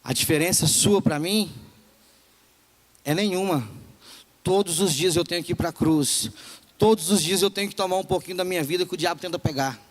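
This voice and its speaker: Male pastor, brazilian accent, very high voice, lively storytelling sermon, humorous. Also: moderate pace, long pauses. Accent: Brazilian Portuguese. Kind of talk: sermon to young people. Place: church hall.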